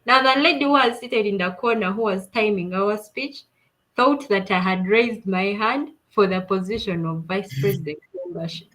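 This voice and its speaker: Woman, coach, earnest personal storyteller, animated, mid-range pitch. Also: normal speed, rough recording. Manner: earnest, animated retelling with fillers and laughs. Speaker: coach and speaker.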